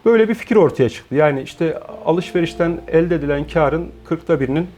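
A man in his forties, born in Turkey, answering interview questions in a measured, explanatory way with frequent hesitant fillers. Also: fairly high pitch, expressive, darkish tone, a little hiss or hum. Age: 40s. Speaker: guest, founder of an online shop.

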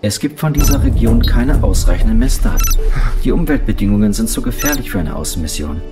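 Guy doing a male spaceship computer, deep voice, formal and careful, analytical but caring, sci-fi audio play, loud music behind. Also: sing-song. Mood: measured, cautioning. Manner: formal, precise, measured. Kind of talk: German sci-fi audio drama acting.

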